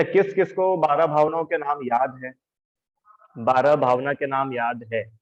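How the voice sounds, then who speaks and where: A man's voice: medium pitch, dull audio. A man teaching an online religion class, patiently explaining and drilling students by repetition, calling on them by name. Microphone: video call.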